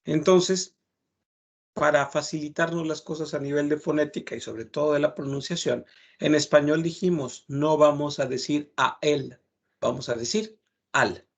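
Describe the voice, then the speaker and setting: A man teaching a French lesson, explaining patiently and repeating words slowly to model pronunciation. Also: on the high side, steady tone.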